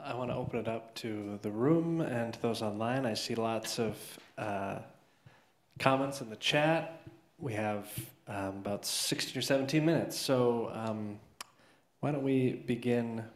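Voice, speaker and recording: A man moderating a panel discussion, relaxed and a little hesitant as he opens questions to the room. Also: medium pitch, a little slow. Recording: echoey room.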